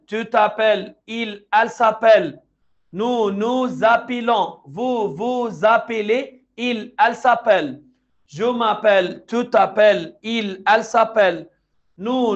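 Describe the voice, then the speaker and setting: A man with a strikingly high voice and an Egyptian Arabic accent leads a French review class. He chants conjugations in steady repetition and keeps checking that students follow. The recording sounds dull and lo-fi. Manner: drills conjugations aloud, repeating forms and checking in with the class. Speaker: French teacher. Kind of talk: exam review lesson.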